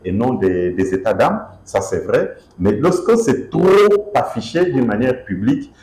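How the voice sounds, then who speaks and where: A man's voice: medium pitch, a little slow, reverberant, low-quality recording. A man from Kinshasa answering interview questions as an author, speaking emphatically with many fillers and restarts. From DR Congo, Kinshasa. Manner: expressive, emphatic, repeats himself with fillers.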